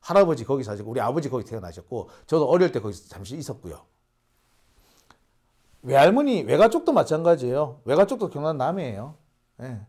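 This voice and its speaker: A man's voice: medium pitch, sing-song, a little fast, a little mellow. Guy ranting about politics, lots of rhetorical questions, voice all over the place. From Busan, South Korea. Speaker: host. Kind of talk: political commentary.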